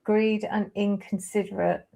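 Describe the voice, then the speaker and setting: A woman hosting a live tarot stream, laying out cards and thinking aloud with hesitant pauses. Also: medium pitch, flat delivery, vocal fry, mellow. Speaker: tarot reader host.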